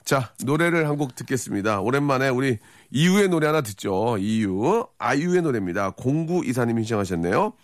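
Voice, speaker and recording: A man's voice: medium pitch, big pitch swings, a little fast, no echo. A middle-aged man hosting a radio show in a studio, bantering playfully and teasing his co-hosts with puns. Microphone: studio mic.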